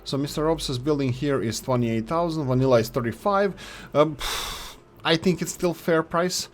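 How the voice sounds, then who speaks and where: A man's voice: a little high, normal speed, slight background noise. Chatty man reviewing game mods. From Yugoslavia. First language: Serbo-Croatian. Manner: chatty and enthusiastic, often restarts words. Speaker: gaming YouTuber reviewing mods. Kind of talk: casual gameplay commentary.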